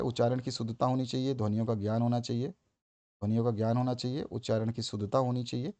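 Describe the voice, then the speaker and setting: A man's voice: medium pitch, mellow. A man teaching an exam-prep lesson. He goes over each point more than once, checks in with "theek hai", and stresses words hard when he acts out examples.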